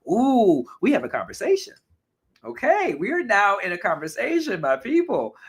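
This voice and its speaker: A man hosting a live talk show, chatting casually and reacting to viewer comments, his voice a little hoarse and his delivery animated with frequent self-corrections. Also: high voice, moderate pace. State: slightly hoarse.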